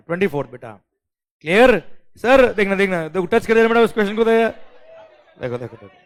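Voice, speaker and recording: An Indian man teaching an exam-prep lecture, mixing English and Hindi, calling students "beta" and asking "clear?" often. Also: sits high. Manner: calls students "beta", asks "clear?" often, reads English questions slowly.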